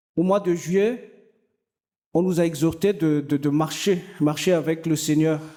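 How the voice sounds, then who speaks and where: A man with a Malagasy accent speaks in a dark, mellow tone at a fairly high pitch, fairly slow with long, frequent pauses, fairly even intonation and very even loudness. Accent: pronounced Malagasy accent in French. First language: Malagasy (speaking French). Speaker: preacher. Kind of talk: sermon. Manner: halting, with hesitations and repetitions.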